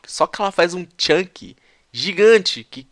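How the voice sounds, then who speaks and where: A man's voice: high voice, animated, slow, fairly bright tone, dry recording, studio quality. A man with a Brazilian Portuguese accent, teaching English in a casual, chatty way and peppering his explanations with slang.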